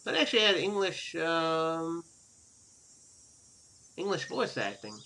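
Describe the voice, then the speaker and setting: Higher-pitched man doing casual game commentary. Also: very animated, takes it slowly, vocal fry, bright, forceful tone. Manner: hesitant, rambling, self-correcting. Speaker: host of a Let's Play gaming series. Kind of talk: casual game commentary, reading on-screen story text aloud.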